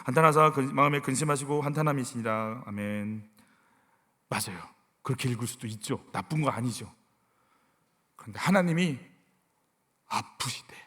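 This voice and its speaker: A middle-aged man preaching a sermon as senior pastor, acting out voices and sighs and moving between loud and hushed delivery. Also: mid-range voice, normal speed, pauses often, in a large hall. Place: church sanctuary.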